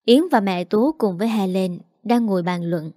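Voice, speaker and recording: A woman reading a dramatic story aloud, narrating in a steady scripted style and voicing every character herself. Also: mid-range voice, moderate pace, dry recording, studio quality.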